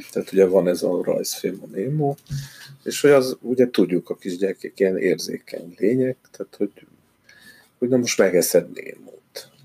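The sound is dry and close with no echo. The pace is moderate. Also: man. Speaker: writer. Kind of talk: interview.

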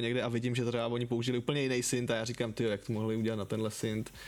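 A man speaking at a very fast pace. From Czech Republic, Prague. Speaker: music producer and DJ. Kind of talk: casual interview.

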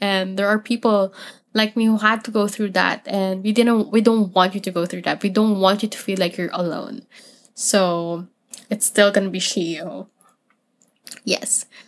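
In a very clean recording with a silent background, a woman with an ordinary speaking voice talks at a moderate pace and medium pitch. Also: fairly even intonation. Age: 20s. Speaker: podcast host and entrepreneur. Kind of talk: solo podcast monologue. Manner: casual, with many fillers.

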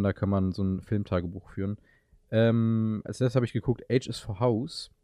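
A man's dark, mellow voice, fairly low in pitch. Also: dry, close sound with no echo, very clean recording, silent background. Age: 20s. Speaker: podcast co-host, teacher-training student and musician. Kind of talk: casual chat. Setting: indoor home studio. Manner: hesitant, many fillers.

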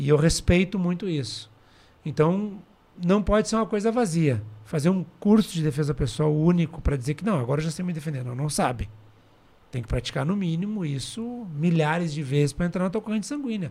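Intonation here is lively, and the pace is fairly quick. The recording is very clean, with a silent background. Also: man, high pitch for a man. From Rio Grande do Sul, Brazil (Alegrete). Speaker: martial arts master. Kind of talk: podcast interview.

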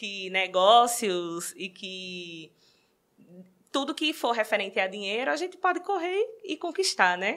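Very slow speech from a woman on a very clean recording with a silent background, with very wide pitch swings, big swings in loudness and a bright, sharp tone. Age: 30s. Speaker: hairdresser and salon owner. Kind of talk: interview.

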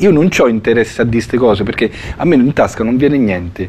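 A man's voice swings very widely in pitch, with noticeable noise in the background. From Lazio, Italy (Fiuggi). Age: 40s. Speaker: physiotherapist sharing patient testimony. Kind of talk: testimony.

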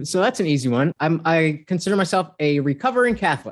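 A normal speaking voice from a man, fairly high in pitch, with lively intonation at a fairly quick pace. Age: 30s. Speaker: dog trainer. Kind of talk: casual chat.

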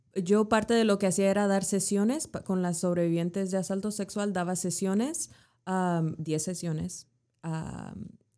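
With a Honduran accent, a woman speaks at a medium pitch in a dark, mellow tone on a very clean recording with a silent background. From Honduras. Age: 20s. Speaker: social worker. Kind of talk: interview.

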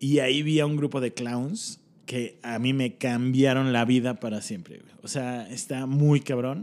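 A man with a central Mexican accent speaks at a fairly slow pace, medium in pitch, with ordinary pitch variation. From Mexico, Querétaro. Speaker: comedian and comedy club owner. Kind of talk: casual chat. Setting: in person studio.

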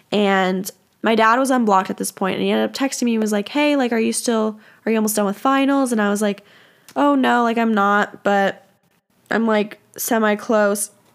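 Speaking with a Californian accent, a woman uses a fairly high pitch. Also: ordinary pitch variation, moderate pace, very even loudness. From California, San Diego. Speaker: podcast host. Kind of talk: casual monologue. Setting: lying in bed at home. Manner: animated.

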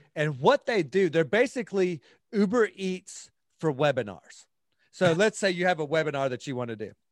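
This man speaks high for a man, at a moderate pace. His pitch swings very widely. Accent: Southern US. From US South, Georgia. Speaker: podcaster and life coach. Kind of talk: casual interview. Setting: remote call.

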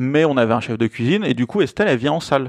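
Over a quiet background, a man speaks at a very fast pace with a medium pitch. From France, near Senlis (Oise). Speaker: restaurant owner. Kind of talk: casual interview.

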